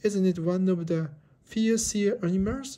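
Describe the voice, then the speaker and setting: In a shaky, put-on character voice at middle pitch, the speaker goes at a moderate pace. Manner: frightened.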